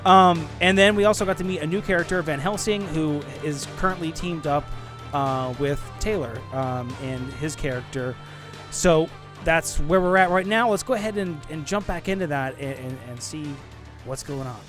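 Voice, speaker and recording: A man's voice: on the high side, moderate pace. A man hosting a podcast, narrating an introduction and a casual recap. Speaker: podcast host. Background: background music under the voice.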